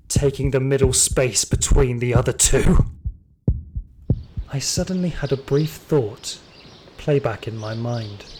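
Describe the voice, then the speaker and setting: A man's voice: medium pitch, a little hiss or hum, natural voice. A man playing a terrified, wounded security guard, narrating his ordeal in intense first-person audio drama style. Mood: grim, subdued. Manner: intense, anguished, theatrical. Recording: loud music behind the voice.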